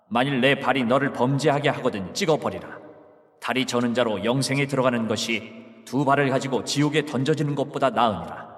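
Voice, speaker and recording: A man voicing Jesus as a calm, authoritative teacher in a dramatized Bible reading, speaking in a measured, solemn way. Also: medium pitch, in a large hall, close to an everyday voice. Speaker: voice actor.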